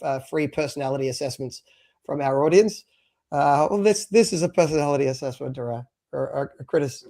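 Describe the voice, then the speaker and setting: A man's voice: mid-range voice, darkish tone. A man co-hosting a live stream podcast, talking casually and rambling with lots of fillers. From abroad, moved to Australia at three. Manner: chatty, rambling with many fillers. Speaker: podcast co-host.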